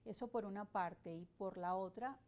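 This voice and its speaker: Measured woman from Venezuela explaining. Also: medium pitch, darkish tone. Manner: measured, explanatory, with frequent hesitations. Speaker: immigration lawyer, guest. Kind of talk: interview answers.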